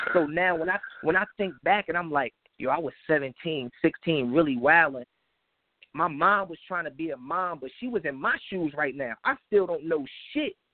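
A man speaks in an ordinary speaking voice at a moderate pace, fairly high in pitch with ordinary pitch variation. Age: 20s. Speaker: battle rapper. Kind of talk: casual interview.

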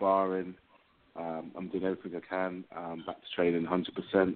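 A man's very deep, low voice in an English accent, monotone and flat in intonation. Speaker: MMA fighter. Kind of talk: interview. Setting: phone call. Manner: halting.

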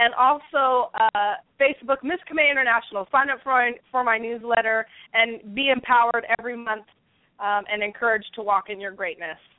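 Fairly quick and fairly high-pitched, a woman has a normal speaking voice with ordinary pitch variation. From raised in Italy and Greece, then Idaho. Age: 20s. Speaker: pageant titleholder and mentor. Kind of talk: talk radio interview.

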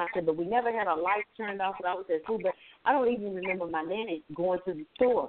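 A very fast-talking woman at a medium pitch, with ordinary pitch variation and noticeable background noise. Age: 60s. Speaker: caller and grandmother. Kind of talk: call-in radio discussion.

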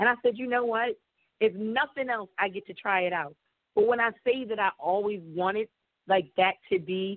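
A woman in a normal speaking voice with an American accent, a moderate pace and ordinary pitch variation. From Maryland, Prince George's County. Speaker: radio personality. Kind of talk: casual interview chat.

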